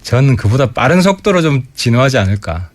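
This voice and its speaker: Sharp-tongued man, lively voice, dry studio. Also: mid-range voice, a little fast, dry recording. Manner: pointed, sharp-tongued political commentary. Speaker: lawmaker guest. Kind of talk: radio current-affairs interview.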